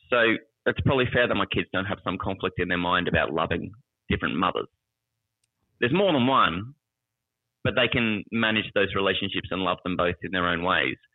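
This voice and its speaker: A man with an Australian accent talks at a fairly quick pace in a fairly low pitch, with ordinary pitch variation. He leaves long, frequent pauses. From Australia, Canberra. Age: 30s. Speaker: podcast host guest. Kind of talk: casual interview chat. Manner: animated, chatty.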